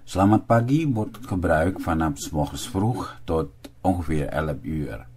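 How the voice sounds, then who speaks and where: A man's voice: deep voice, animated, unhurried, crowd noise. A man teaching a language lesson, carefully spelling out and repeating words for learners. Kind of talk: slow, deliberate language lesson narration.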